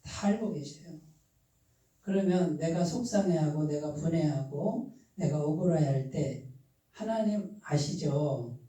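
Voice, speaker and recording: A man's voice: on the high side, measured pace, dark tone. Man preaching in a very echoey church hall. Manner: asks the congregation questions and waits for answers. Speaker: pastor. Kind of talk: sermon. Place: church sanctuary. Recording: very echoey room, voice far from the mic.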